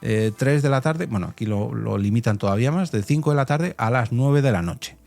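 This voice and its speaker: A man's voice: mid-range voice, expressive, a little fast, vocal fry, a little mellow, soft background music. A man from Spain with a Spanish accent hosting a podcast, explaining things conversationally and addressing listeners directly with rhetorical questions. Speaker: podcast host. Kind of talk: conversational podcast commentary on survey results.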